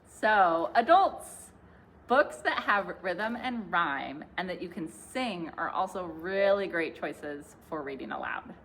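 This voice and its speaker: Slow, bright-voiced librarian woman, sing-song. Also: on the low side, expressive, slight background noise. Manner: cheerful, slow and sing-song for small children. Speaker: children's librarian. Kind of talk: children's class video, reading and singing.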